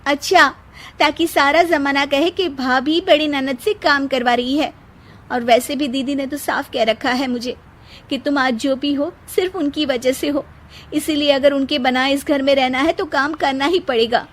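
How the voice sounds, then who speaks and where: A woman's voice: sits high, fairly even intonation, moderate pace, pitched above the performer's own voice, lightly acted. A woman voicing a spoiled, scheming young wife in a storybook tale, whiny and wheedling. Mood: demanding. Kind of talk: storybook character voice.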